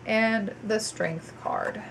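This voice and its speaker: A woman's voice: mid-range voice, drawn-out words, creaky. Brief: woman tarot reader, congested and nasal, chatty with ums, faint noise behind. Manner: chatty, with frequent ums and restarts. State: stuffy, congested. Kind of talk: monthly tarot reading to viewers.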